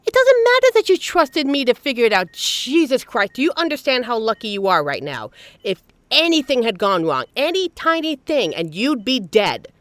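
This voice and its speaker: A woman's voice: on the high side, sing-song, moderate pace, fairly bright tone, dry recording. A woman playing a fiercely protective secret agent in an emotional, emphatic dramatic audio roleplay. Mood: angry, scolding. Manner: emotional, scolding, emphatic, swearing. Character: normally suave female secret agent, fiercely protective, angry and anguished. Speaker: voice actor in a scripted audio roleplay.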